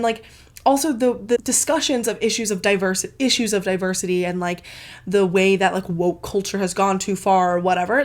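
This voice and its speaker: A congested woman hosting her book channel, gushing in a casual, filler-heavy review with plenty of swearing. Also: mid-range voice.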